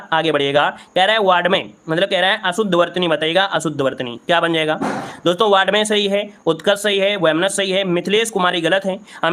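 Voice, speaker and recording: A man teaching a live exam-prep lesson, going through answers briskly, repeating each one and calling his students friends. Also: high-pitched, sharp tone.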